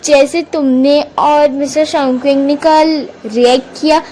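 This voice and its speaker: A woman with a notably high voice narrates a drama recap. She moves from scene to scene, briefly quoting the characters, and mixes English words into her speech. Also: fairly even intonation, measured pace, warm tone, slight background noise, rough recording.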